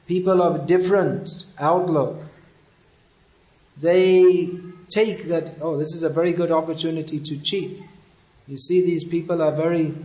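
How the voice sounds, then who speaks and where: A man's voice: a little high, a little mellow, reverberant, low-quality recording. A man, a spiritual teacher, giving a religious lecture that tells stories with quoted dialogue and scolds.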